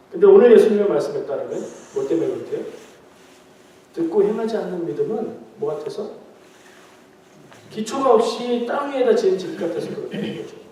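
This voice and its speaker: Speaking in a high, mellow voice, a male pastor gives a conversational midweek prayer meeting sermon, quizzing and joking with his congregation. It was captured in a church sanctuary where the hall echoes heavily and the microphone is far off.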